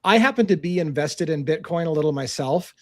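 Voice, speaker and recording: A man hosting a livestream, talking in an excitable, casual way and swearing freely. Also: on the high side, fairly quick, dry recording, clean studio sound. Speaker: livestream host.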